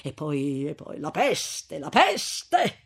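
A man's voice: on the high side, animated, slightly rough, exaggerated voice. A man voicing an elderly, timid country priest who hesitates and chuckles as he talks. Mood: relieved, chatty. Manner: chuckling, hesitant with drawn-out fillers. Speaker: parish priest.

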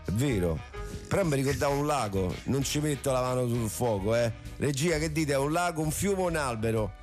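An actor playing a showy, dim game show host in a radio comedy quiz, with colloquial, ungrammatical patter. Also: male voice, medium pitch, animated, a little fast, soft background music, natural voice. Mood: chatty, muddled.

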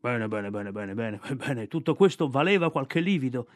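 A man voicing a gruff, stern yet fond old bear who teaches a boy the jungle's laws. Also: on the high side, lively intonation, measured pace, no echo, clean studio sound. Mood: gruff, scolding.

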